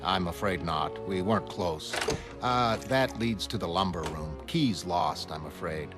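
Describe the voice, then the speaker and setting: A man's voice: low-pitched, unhurried, voice pushed down. A man playing a nervous, hedging man. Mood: evasive. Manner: hesitant, with many "uh"s. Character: nervous, evasive middle-aged man. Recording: music underneath.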